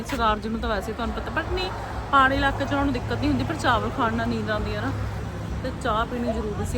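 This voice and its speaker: A young woman with a high-pitched voice chats in an exclamatory, questioning way with her family. She sounds like a casual travel vlogger, recorded amid busy, loud traffic and car noise. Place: in a car and at roadside stops. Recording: noisy car and roadside ambience.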